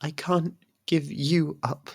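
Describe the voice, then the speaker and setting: Breathy voice, slow halting delivery, anxious possessive faerie royal played by a performer, tender and pleading, ASMR audio roleplay. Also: medium pitch, fairly even intonation, dry recording, clean studio sound, heavily acted. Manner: hesitant, halting, soft and pleading.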